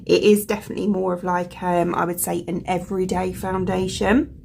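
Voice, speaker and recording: Croaky woman chatting about makeup. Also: lowish voice, little pitch movement, fairly quick, darkish tone, slight background noise. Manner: rambling, full of fillers like "like" and "you know". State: croaky from a cold. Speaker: beauty vlogger. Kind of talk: chatty product review.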